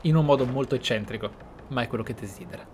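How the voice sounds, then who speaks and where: A man's voice: medium pitch, fast, slight background noise. A man giving casual, reflective roleplay commentary on a video game, explaining and repeating words for emphasis. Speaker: gaming streamer, player. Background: game sound.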